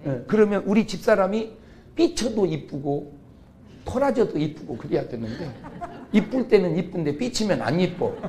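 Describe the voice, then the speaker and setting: Lively, animated Korean pastor man. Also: high-pitched. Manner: animated, acts out couples' quarrels in sudden loud outbursts. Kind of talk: humorous revival sermon.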